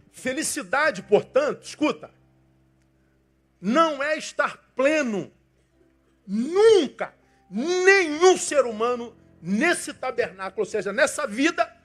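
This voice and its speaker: An older man with a Brazilian Portuguese accent, preaching a sermon with passion, swinging from loud emphasis to soft asides. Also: very high voice. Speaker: pastor.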